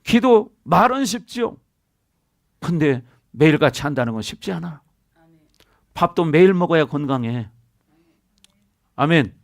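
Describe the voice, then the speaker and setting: A man's voice: fairly high pitch, animated, a little slow, long pauses, no echo, clean studio sound. A middle-aged male pastor preaching a sermon in a church, calling out to the congregation and drawing responses from them. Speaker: senior pastor. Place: church sanctuary.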